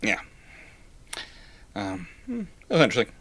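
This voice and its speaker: A man's voice: high-pitched, sing-song, moderate pace, creaky, fairly bright tone, slight background noise. A man hosting a live question-and-answer session, speaking unscripted in a rambling, self-correcting way as he thinks aloud.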